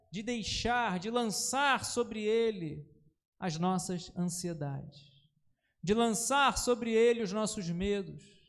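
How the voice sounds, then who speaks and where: Against a quiet background, a man with a Brazilian accent talks very slowly at a high pitch with ordinary pitch variation. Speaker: preacher. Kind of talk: sermon. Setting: church with congregation. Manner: fervent, exhorting. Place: church. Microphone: handheld.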